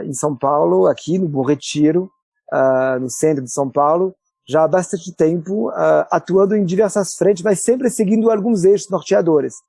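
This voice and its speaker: A man's voice: fairly high pitch, vocal fry, dark tone, no room sound. A man from France speaking with a French accent, a podcast guest who explains things thoughtfully with frequent hesitations. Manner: thoughtful, many filler "ah" hesitations. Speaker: guest, cultural center director. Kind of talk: podcast interview.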